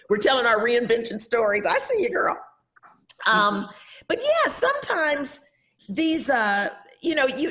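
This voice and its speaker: Brief: middle-aged woman host, slightly high voice, animated, exclamatory, on a video call at home. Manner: lively, exclamatory, talks to guests directly. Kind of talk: casual video call chat. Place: home room with bookshelves.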